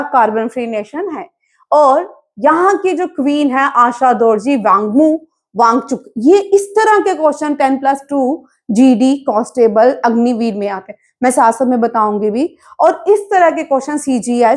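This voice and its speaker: Woman, teacher, bright and high, asks a question then answers it, drilling class. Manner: mixes English terms into Hindi. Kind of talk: exam-prep current affairs lesson.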